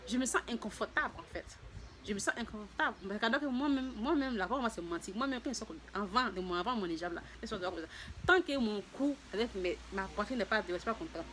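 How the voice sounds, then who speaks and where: A vlogger speaks to her viewers in a relaxed, personal way, her middle-pitched voice often halting as she repeats words and restarts sentences. When she quotes other people, she shifts into a raised, lively tone. A faint hum runs beneath her speech.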